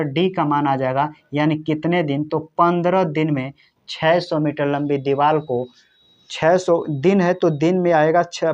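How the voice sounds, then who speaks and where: Speaking directly to his viewers, a man works through exam-prep maths problems step by step. His voice is fairly high in pitch, and the recording's high frequencies are cut off.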